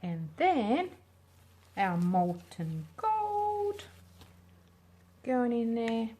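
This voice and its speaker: A woman with a slight smoker's rasp hosting a casual hands-on craft tutorial, thinking aloud informally as she works. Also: fairly high pitch, very animated, drawn-out words, mellow. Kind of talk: casual hands-on demo chat.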